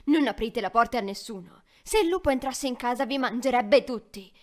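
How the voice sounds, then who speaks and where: A woman voicing a caring, protective mother goat in a storybook cartoon, warning her kids in a gentle voice. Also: on the high side, lively intonation, a little fast, lightly acted.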